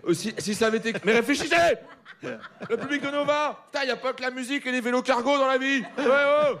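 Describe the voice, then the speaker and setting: A man's voice: very high-pitched, fairly even intonation, fast talker, a bit bright. A man delivering a live comic radio chronicle, rowdy and swearing, laughing at his own jokes, in a studio before an audience. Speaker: comedy columnist.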